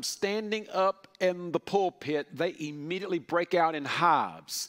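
A man's high-pitched voice at a fairly slow pace, ordinary pitch variation, over a quiet background. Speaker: pastor. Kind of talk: sermon. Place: church.

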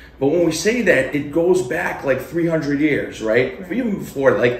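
Noticeable background noise is present throughout. Over it, a man's intonation is lively. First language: Italian. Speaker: pizza instructor. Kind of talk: casual interview chat.

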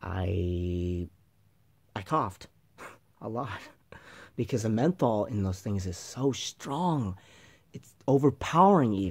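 At a very slow pace with long, frequent pauses, a man with a fairly low pitch uses lively intonation against a quiet background. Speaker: cigarette reviewer. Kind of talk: casual talk to camera. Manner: stammering, hesitant. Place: home room. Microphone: webcam.

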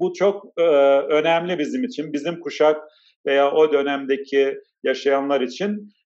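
Ordinary pitch variation marks this man's speech. The background is quiet. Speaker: host of online talk. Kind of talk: host introduction. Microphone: video call.

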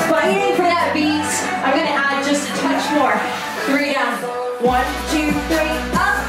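With music in the background and audible room echo, a woman talks at a fairly slow pace with ordinary pitch variation. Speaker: spin instructor. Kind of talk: fitness class cueing. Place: gym. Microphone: headset.

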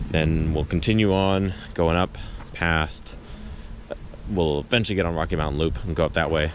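Over light background noise, a man with a very deep, low pitch talks with ordinary pitch variation, the sound dry with no echo. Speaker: off-road vlogger. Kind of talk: casual vlog chat. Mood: relaxed, content. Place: forest. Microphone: phone near.

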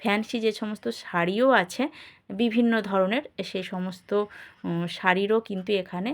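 This very clean recording with a silent background carries an unremarkable speaking voice. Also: woman, medium pitch for a woman, ordinary pitch variation. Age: 40s. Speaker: vlogger. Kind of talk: market walk-through vlog; personal story to viewers.

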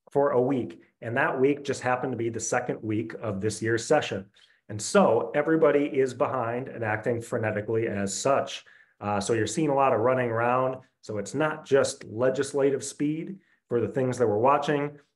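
A man's speech has ordinary pitch variation and a moderate pace, with a quiet background. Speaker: presenter. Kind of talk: webinar presentation. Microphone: webcam.

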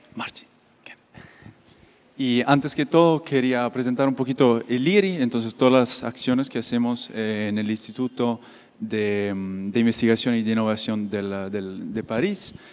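Speaking rather slowly, a man uses ordinary pitch variation. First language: not Spanish (speaking Spanish). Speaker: researcher; conference presenter. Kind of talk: conference presentation; conference talk. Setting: conference hall, university. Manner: halting, many fillers and repeats. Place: hall. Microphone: handheld.

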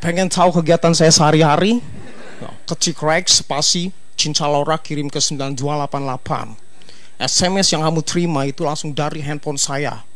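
In a dry recording with no echo, a man talks in an animated tone at a fairly high pitch. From Tanjung Priok, Jakarta. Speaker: stand-up comedian. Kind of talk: stand-up comedy set with audience. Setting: stage with audience, TV show. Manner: animated, punchline-driven delivery with exaggerated mimicry; fast, casual slangy Jakartan patter. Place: stage. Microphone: handheld.

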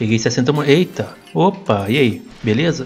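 A man with a Brazilian accent at a very slow pace, lively intonation and faint music in the background. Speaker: gaming YouTuber. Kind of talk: gameplay commentary. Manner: animated. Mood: relaxed, playful.

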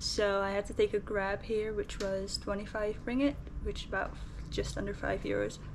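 Moderately paced speech from a woman, against noticeable background noise. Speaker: travel vlogger. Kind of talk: casual vlog chat. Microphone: phone near.

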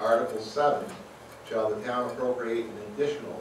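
Audible room echo and noticeable background noise surround the speaker. He is a man whose intonation stays fairly even. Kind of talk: formal reading of meeting articles. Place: meeting room.

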